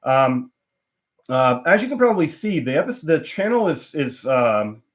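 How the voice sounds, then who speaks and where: A man's voice: medium pitch, sing-song, normal speed. A man hosting his own live stream, talking casually with lots of fillers and restarts while stuffed up with a cold. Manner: rambling, many fillers and restarts. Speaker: channel host.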